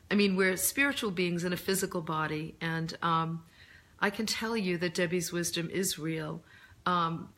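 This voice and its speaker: A middle-aged woman speaks in a low voice, deepened as she recovers from laryngitis. She talks informally to online viewers, reflective and earnest, often halting as she finds her words. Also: fairly bright tone. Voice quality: voice deeper than usual. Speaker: host of a live stream, author and coach. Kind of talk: casual live chat answering viewer questions.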